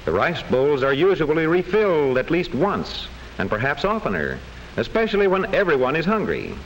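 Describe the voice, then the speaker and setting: Lively higher-pitched vintage film narrator, male. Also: normal speed. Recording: noisy vintage classroom film soundtrack.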